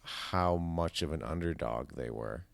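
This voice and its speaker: A man's voice: very deep voice, a little slow, gravelly, dry recording. A man hosting a podcast in casual conversation, with a wry, dryly joking manner. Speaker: podcast host.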